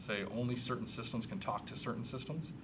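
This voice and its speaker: A somewhat breathy man at a very fast pace, with audible room echo. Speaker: city IT director presenting to council. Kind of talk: council meeting presentation.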